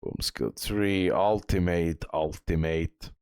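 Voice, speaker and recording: A man's voice: low-pitched, slow, darkish tone, clean tone, no echo, studio quality. A man giving a casual gameplay walkthrough as a guide host, thinking aloud as he goes. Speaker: gaming guide creator, host.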